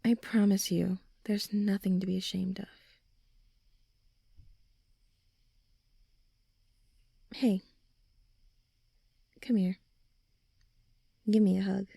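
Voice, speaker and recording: Woman acting a soft, slow, mellow supportive young friend. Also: mid-range voice, level tone, no room sound, clean studio sound. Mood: warm, affectionate. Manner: soft, soothing, encouraging, breathy sighs and chuckles. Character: supportive young female friend, gently reassuring a worried graduate. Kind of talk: ASMR comfort roleplay.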